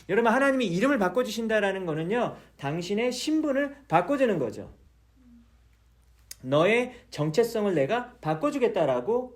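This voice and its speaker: A man preaching a chatty, storytelling sermon, his slightly high voice swinging widely up and down. He keeps turning to the congregation with questions and now and then slips into the voices of the people in the story. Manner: acts out the quoted speech of the people in his story. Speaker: pastor. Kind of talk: conversational sermon.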